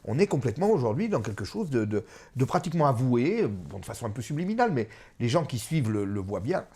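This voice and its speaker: A middle-aged man discusses politics with conviction, repeating key phrases and filling pauses with hesitations. His pitch swings widely as he presses his points. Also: sing-song, warm tone, husky. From France. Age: 50s. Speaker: author and guest.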